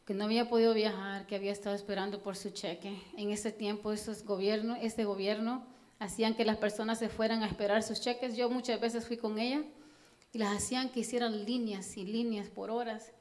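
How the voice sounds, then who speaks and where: A woman's voice: mid-range voice, little pitch movement, darkish tone. Earnest Salvadoran woman giving testimony. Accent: Salvadoran Spanish. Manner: earnest, halting, with many fillers. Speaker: church member giving testimony. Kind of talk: personal church testimony.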